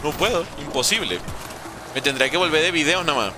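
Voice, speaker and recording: A man's voice: a little high, animated, a little fast, noisy background. A man in his thirties from Venezuela with a Venezuelan Spanish accent, chatting casually as a gaming streamer while reading chat and humming little sounds as he plays. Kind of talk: live gameplay commentary reading chat.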